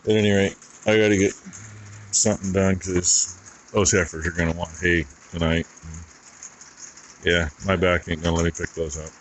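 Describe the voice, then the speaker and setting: Middle-aged male farm vlogger, low-pitched, folksy and rambling, casual chore talk with some background noise. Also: level tone, normal speed, long pauses, poor audio. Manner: rambling, folksy, thinking aloud. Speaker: farmer vlogger. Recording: noticeable background noise and rattling.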